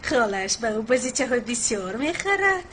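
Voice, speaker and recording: A woman's voice: fairly high pitch, big pitch swings, fairly bright tone, a little hiss or hum. Earnest pleading young woman. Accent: Tajik.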